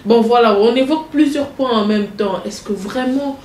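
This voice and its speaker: A woman's voice: fairly high pitch, a little mellow. A woman interviewing a guest, asking long, probing questions in with Lingala mixed in. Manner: probing, halting with restarts, mixes French and Lingala. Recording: echoey room with faint noise.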